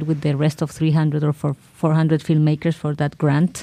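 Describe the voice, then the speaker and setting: With a Spanish accent, a woman speaks in a very deep, low pitch with a dark, mellow tone. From Chile. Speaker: film director. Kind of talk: interview.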